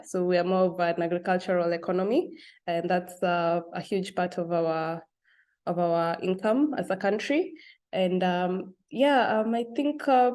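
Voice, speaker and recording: Kenyan-accented woman, young adult, interview guest, thoughtful, frequent ums, soft laughs. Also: medium pitch. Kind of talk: interview conversation.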